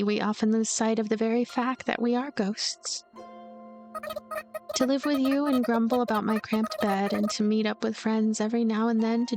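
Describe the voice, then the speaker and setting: A woman's voice: on the high side, a little mellow, natural voice. A woman voicing a lonely, blunt and protective young ghost girl in a visual novel, earnest and plain-spoken.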